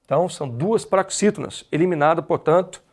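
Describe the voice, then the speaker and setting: A man's voice: a little high, quick pace. A Brazilian man teaching an exam-prep grammar lecture, who explains step by step and keeps asking the class rhetorical questions. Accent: Brazilian Portuguese.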